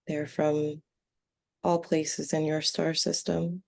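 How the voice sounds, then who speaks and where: A woman speaking as a trance medium for a calm collective of extraterrestrial beings, in halting, solemn, formal phrases. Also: sits low, gravelly, heavily acted. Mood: solemn, detached. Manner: halting short solemn phrases with long breaks, formal wording. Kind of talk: trance channeling, seance medium.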